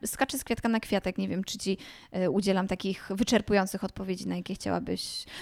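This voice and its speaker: The background is silent and the recording very clean. A woman's words come out at a very fast pace. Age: 20s. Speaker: actress and podcaster. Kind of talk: casual chat.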